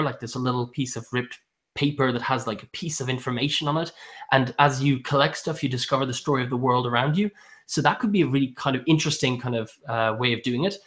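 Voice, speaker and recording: On a casual booktube live stream about books, the male host keeps stumbling into ums and restarts and breaks into laughter often while speaking. His voice has a medium pitch and a slightly bright quality.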